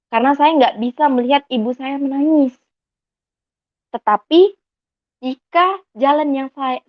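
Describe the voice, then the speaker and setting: A young Indonesian woman tells her conversion testimony in a fairly high voice. She acts out the dialogue as she goes. The recording is dry and a little dull. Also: no echo. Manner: earnest storytelling that acts out quoted dialogue. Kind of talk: personal testimony.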